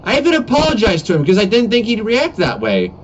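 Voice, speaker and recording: A man voicing a whiny, defiant, excitable schoolboy in an amateur comedy animation, on a cheap webcam mic. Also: sits high, quick pace, muffled recording, slight background noise.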